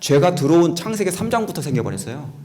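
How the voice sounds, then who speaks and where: Audible room echo surrounds a man speaking at a very fast pace, his high pitch full of lively intonation. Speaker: pastor. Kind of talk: sermon. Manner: animated.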